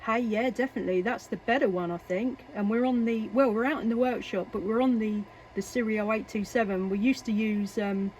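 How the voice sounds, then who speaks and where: Speaking a little fast with hardly any pauses, a woman from England uses a slightly high, darkish voice as she chats hesitantly over CB radio. She is a CB operator who also makes videos, recording in a workshop at home amid static and hiss.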